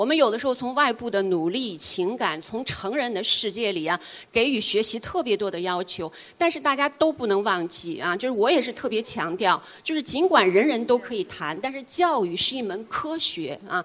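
Noticeable background noise beneath speech with very wide pitch swings. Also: woman, fairly high pitch for a woman, moderate pace. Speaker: school principal and educator. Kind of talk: panel discussion.

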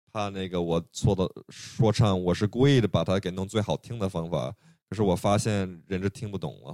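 Dry and close with no echo, a man's very deep, low voice has a dark, mellow tone. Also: ordinary pitch variation, moderate pace. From US. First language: English (speaking Chinese). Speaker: electronic music producer. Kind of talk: casual chat. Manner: halting.

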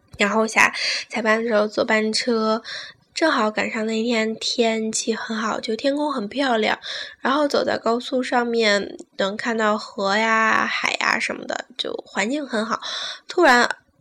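A woman's fairly high voice, fairly slow and with fairly even intonation. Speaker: podcast host. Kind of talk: casual solo podcast monologue. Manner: hesitant, many fillers.

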